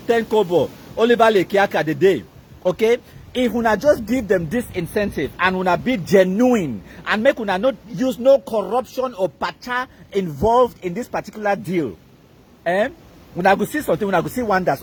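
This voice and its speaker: A man's voice: sits high, a little hiss or hum. A Cameroonian man with a Cameroonian accent, giving an emphatic, repetitive live-stream rant that mixes pidgin and English.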